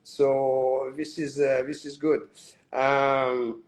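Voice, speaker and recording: Halting man interviewing. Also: mid-range voice, little pitch movement. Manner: halting, many fillers and restarts. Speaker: host. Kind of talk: live online interview.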